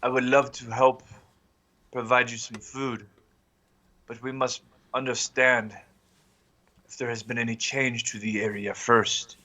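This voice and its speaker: Man playing a bright, courteous adventurer. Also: medium pitch, flat delivery. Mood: courteous, diplomatic. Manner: formal, measured, polite phrasing. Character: courteous, formal male adventurer, diplomatic and soothing. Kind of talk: tabletop game role-play.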